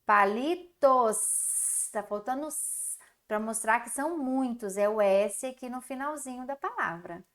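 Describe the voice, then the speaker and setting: A woman's voice: fairly high pitch, animated, moderate pace. A Brazilian woman teaching young children in a recorded class, stretching out syllables in a sing-song, encouraging way. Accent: Brazilian Portuguese. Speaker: primary school teacher.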